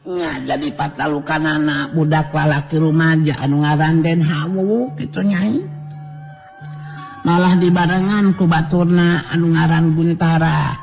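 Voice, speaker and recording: A man's voice: on the high side, steady tone, measured pace, vocal fry, a little mellow, soft background music, pitched above the performer's own voice. A man voicing an elderly village woman who keeps a food stall and fusses over her guest in a storybook tale. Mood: explaining. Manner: fussing, explaining, doting.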